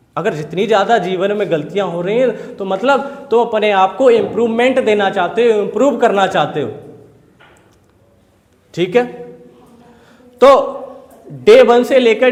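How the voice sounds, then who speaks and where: Noticeable background noise sits behind a man talking with ordinary pitch variation. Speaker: English teacher. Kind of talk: classroom lecture. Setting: classroom.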